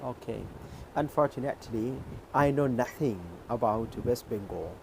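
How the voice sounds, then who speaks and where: A man from Maharashtra with an Indian accent, a native Urdu speaker, tutoring English on a video call in a measured, explanatory way. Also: medium pitch, gravelly, noisy background. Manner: measured, explanatory, checks in with "okay". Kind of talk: conversation practice on a video call.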